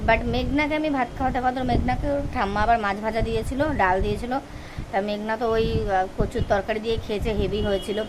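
A woman in her thirties talks fast in a slightly high voice, rambling from one small household detail to the next. It's a casual home vlog filmed on a phone. Steady background noise and passing vehicles sit under her voice. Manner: chatty, rambling, piles up everyday details. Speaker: vlogger, mother. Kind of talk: casual daily vlog narration. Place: home, later outdoors on a night street. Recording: noisy phone recording with street sounds.

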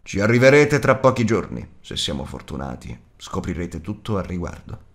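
A man voicing an old male wizard in an audiobook, speaking in a measured, authoritative way. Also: deep voice, very animated. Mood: explaining, stern. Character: old male wizard, wise, curt and commanding. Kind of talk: audiobook character voice.

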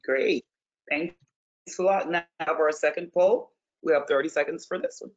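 Upbeat man hosting a virtual pitch event. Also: moderate pace. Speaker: event host. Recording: dull lo-fi video call audio.

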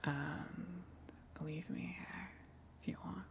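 A woman voicing a gentle, lonely female tentacle monster in a breathy, halting whisper, as an ASMR roleplay. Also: on the low side, fairly even intonation, noisy background, exaggerated voice. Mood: soothing. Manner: soft, halting, reassuring.

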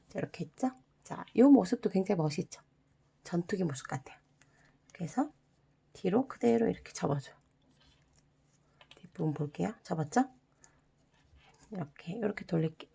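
Gravelly soft-spoken woman teaching origami. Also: mid-range voice. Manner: soft, sometimes whispered instructions with playful sound words. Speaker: origami channel host. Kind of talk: step-by-step craft tutorial for children.

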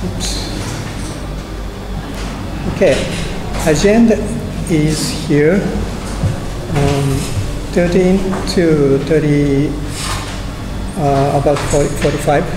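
Japanese-accented man, halting, echoey hall. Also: fairly high pitch, steady tone. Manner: halting, many fillers and restarts. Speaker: conference speaker. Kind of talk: conference talk presentation. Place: large conference room. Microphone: room mic at the lectern. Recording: echoey hall, air conditioner hum.

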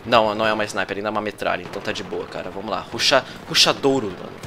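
A man's voice: lowish voice, racing, a little hiss or hum. A young Brazilian man giving nervous live commentary over his own gameplay, swearing at the game and bursting out in yelps when things happen. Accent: Brazilian Portuguese. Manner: excitable, swears at the game, frequent outbursts. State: nervous and sweating. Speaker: gaming youtuber.

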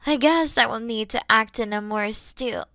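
Woman acting female dragon, motherly yet threatening, higher-pitched, dry close sound, ASMR roleplay, proud, wary, theatrical. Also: moderate pace, pushed and bright, dry recording. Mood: brooding. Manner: theatrical, menacing, with drops into whispers.

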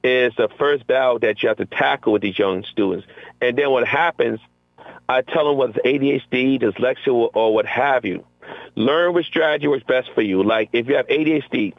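A middle-aged man talks as a teacher guest on a call-in interview, lively and acting out the voices of his students and himself. His voice comes through a narrow, tinny phone line. There is no room echo at all. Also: mid-range voice. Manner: energetic, acts out quotes from classroom exchanges. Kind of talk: conversational interview.

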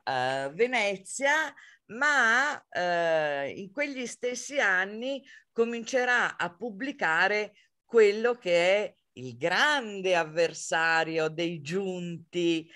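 A woman hosting a book talk in a conversational, halting way, searching for her words. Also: on the low side, a bit bright. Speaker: host, literary circle director. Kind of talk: unscripted conversational book presentation.

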